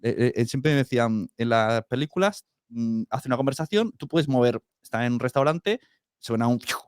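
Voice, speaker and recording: A man's voice: medium pitch, normal speed, clean tone, no room sound. Spanish man chatting, dry studio-like sound. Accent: Spain Spanish. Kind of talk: casual conversation.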